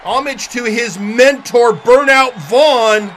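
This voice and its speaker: A man commentates live on wrestling in a high, sharp voice. He is excitable, moving between conversational analysis and calls of the action, with background noise around him. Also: takes it slowly.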